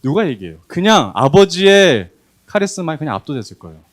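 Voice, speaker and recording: A man preaching a sermon, acting out the quoted voices with animated emphasis. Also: medium pitch, fairly quick. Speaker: pastor.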